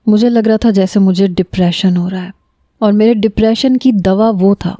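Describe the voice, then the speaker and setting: Woman storyteller, first-person narration, emotional and confiding, warm mellow voice, dry close sound. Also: medium pitch, no room sound.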